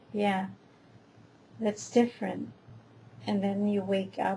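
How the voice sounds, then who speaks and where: A somewhat breathy woman speaks at a very slow pace over light background noise. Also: ordinary pitch variation. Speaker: vlogger. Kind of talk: casual vlog chat, reflective. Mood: reflective, searching for words. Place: home room. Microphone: webcam.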